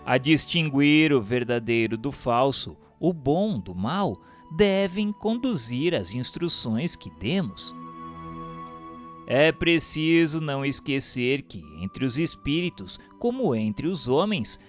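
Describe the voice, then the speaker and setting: A man with a Brazilian accent reading a doctrinal book aloud as a narrator, in a formal, measured, didactic way. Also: medium pitch, big pitch swings, faint music behind. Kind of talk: scripted audiobook narration of a doctrinal text.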